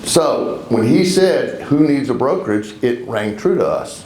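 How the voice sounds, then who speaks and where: A man with a Southern US accent speaks with lively intonation. Audible room echo and noticeable background noise surround him. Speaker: real estate broker. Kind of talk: conference talk. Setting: stage with audience.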